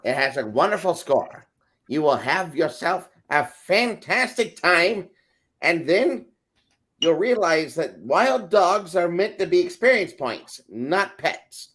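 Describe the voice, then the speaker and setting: A man's voice: fairly high pitch, big pitch swings, slow, fairly bright tone, slightly rough. A man on a panel talking in an emphatic, mock-grand, theatrical comic manner. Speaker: panel guest. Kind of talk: theatrical comic ranting and chat.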